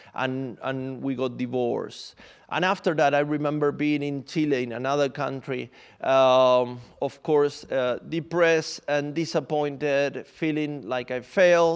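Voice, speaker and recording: With a Spanish accent, a man speaks at a fairly slow pace and a fairly high pitch against a quiet background. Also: fairly even intonation. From Argentina, Buenos Aires. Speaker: church speaker, film producer. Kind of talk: sermon. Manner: halting, many fillers and repetitions.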